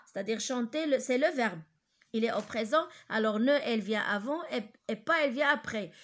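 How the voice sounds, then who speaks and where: A woman's voice: high voice, fairly bright tone. Hesitant woman teaching grammar. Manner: hesitant, many fillers and restarts; repeats key words slowly for dictation. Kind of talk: grammar lesson for pupils.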